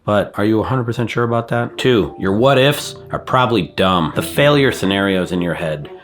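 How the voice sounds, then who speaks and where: A man's voice: fairly low pitch, lively intonation, normal speed, over music. A man in his forties, getting over a cold, giving frank, self-deprecating motivational advice in a casual vlog. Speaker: YouTuber.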